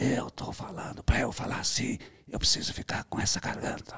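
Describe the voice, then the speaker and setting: A man whispers in a raspy, put-on character voice. His pace is fairly quick. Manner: whispering.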